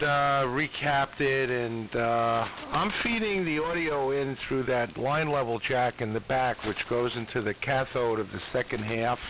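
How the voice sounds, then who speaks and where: A man with a medium-pitched voice chats informally over an AM ham radio link. The sound is dull and band-limited. Static is clearly audible behind his words. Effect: AM shortwave radio transmission. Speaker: amateur radio operator. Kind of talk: casual ham radio chat.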